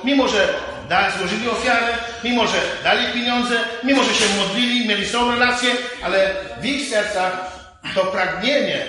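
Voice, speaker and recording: A man with a high, bright voice preaches a sermon, circling back over his phrases to drive them home. His voice rings through a large hall with long reverb. Faint noise sits under it. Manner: repetitive, emphatic phrasing.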